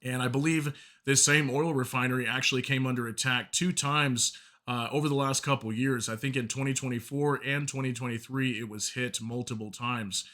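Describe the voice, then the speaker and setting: A man hosting an informal news channel briefing, a little hoarse from a sore throat, talking viewers through war updates in a casual, chatty way. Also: mid-range voice, steady tone, normal speed, bright, forceful tone. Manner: informal, addresses viewers as guys, apologizes for stumbles.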